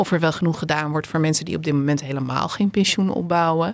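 An ordinary speaking voice from a woman, fairly low in pitch with ordinary pitch variation and a fairly quick pace, on a very clean recording with a silent background. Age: 40s. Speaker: political reporter. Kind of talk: news podcast interview.

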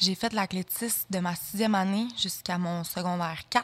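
A somewhat breathy woman with a fairly low pitch talks at a moderate pace and with fairly even intonation, on a very clean recording with a silent background. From Quebec, Saguenay (Jonquière/Arvida). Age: 20s. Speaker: model. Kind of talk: interview conversation.

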